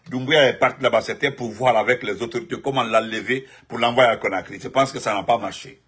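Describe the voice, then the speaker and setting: A Guinean man delivers rambling live political commentary in a medium-pitched, fairly bright, slightly rough voice. He speaks emphatically and repeats himself, hopping between topics and pausing to greet viewers by name.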